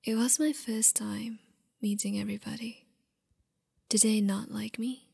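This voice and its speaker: A woman's voice: a little high, fairly even intonation, a little slow, gravelly, breathy edge. A young woman whispering close to the mic in a girlfriend roleplay, doting and possessive. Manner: mostly whispering, soft and intimate. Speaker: ASMR roleplay performer.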